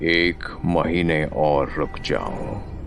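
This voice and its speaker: A man's put-on character voice, very deep and low in pitch, over clear background noise. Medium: audio drama. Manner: polite, mixes English, veiled menace.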